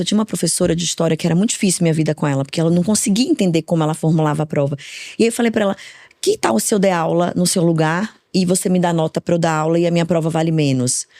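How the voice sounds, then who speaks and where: A woman in her forties, a speech therapist raised in Bahia, telling lively stories as a podcast guest. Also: on the low side, dry recording, studio quality. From Brazil, from Minas Gerais, raised in Bahia. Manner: fast, lively storytelling. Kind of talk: podcast interview.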